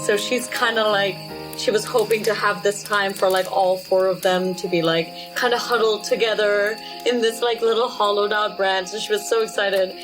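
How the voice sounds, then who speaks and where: A woman's voice: medium pitch, fairly even intonation, normal speed, few pauses, rough recording. Giggly, rambling woman storyteller over music. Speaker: tabletop role-playing player. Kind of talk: improvised in-character storytelling, casual. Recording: music playing behind the voice.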